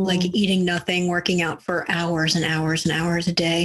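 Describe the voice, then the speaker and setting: This woman has an unremarkable speaking voice with a fairly low pitch. She keeps a moderate pace and fairly even intonation. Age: 40s. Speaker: magazine editor and author. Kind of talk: interview.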